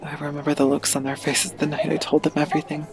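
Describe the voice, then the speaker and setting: Woman acting as withdrawn teenager, hesitant narration, gravelly fry, audio drama, clear music behind. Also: deep voice, completely flat delivery, fast. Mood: subdued, dazed. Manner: hesitant, subdued, confiding. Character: withdrawn, troubled teenager narrating their own story.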